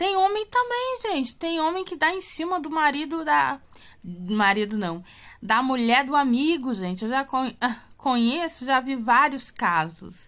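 A woman's high voice at a fairly slow pace, with very wide pitch swings. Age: 40s. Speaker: gossip vlogger. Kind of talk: casual commentary monologue. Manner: animated.

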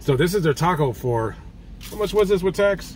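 A man speaks with a dry sound that has no echo. There is noticeable background noise. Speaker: food vlogger. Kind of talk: casual vlog chat. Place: car. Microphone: phone near.

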